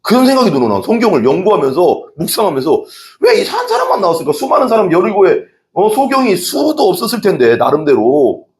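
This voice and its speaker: A man preaching in a church with a lively, swooping voice that climbs high when he stresses a point. He is an animated storyteller who keeps turning to the congregation with questions. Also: fast talker. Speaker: pastor. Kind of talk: evening church sermon.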